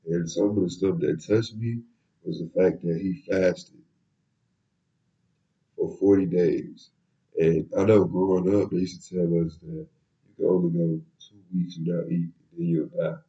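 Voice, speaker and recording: A young man with a very low, dark voice talks in a loose, rambling way, sprinkling in slang. He sounds nasal and stuffed up from a cold. The audio is a bit dull and muffled. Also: fairly even intonation, unhurried. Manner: laid-back, rambling storytelling with slang. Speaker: podcast host. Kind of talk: casual solo podcast talk.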